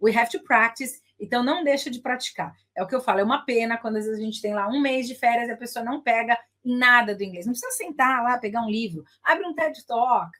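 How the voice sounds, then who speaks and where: Woman, Brazilian Portuguese accent, slightly high voice, English teacher, chatty, tag questions, drops into English. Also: fast talker, few pauses, a bit bright. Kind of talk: casual chat to viewers.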